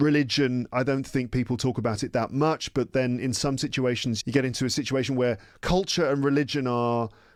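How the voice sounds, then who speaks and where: A man with a British accent, medium pitch and fairly even intonation at a moderate pace, in a very clean recording with a silent background. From Britain. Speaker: English teacher and podcaster. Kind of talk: casual interview chat.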